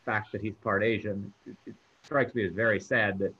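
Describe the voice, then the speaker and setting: A man's voice: fairly low pitch, fairly even intonation, brisk, breathy edge. A man taking part in a discussion, speaking in an earnest, saddened way. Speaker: audience participant. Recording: dull lo-fi audio.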